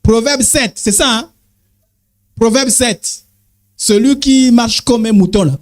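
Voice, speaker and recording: A man preaching an animated sermon as an apostle, exclaiming and calling "amen, amen" to the congregation, swinging his pitch up and down for emphasis. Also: slow. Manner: swings sharply between high and low pitch for emphasis.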